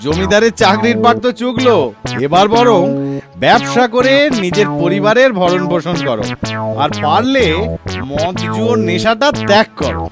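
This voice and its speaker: A man voicing a clever, self-assured village jester in a comic cartoon, persuasive and calmly scheming. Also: sits high, normal speed, loud music behind the voice. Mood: smug, advising. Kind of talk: dubbed comic cartoon dialogue.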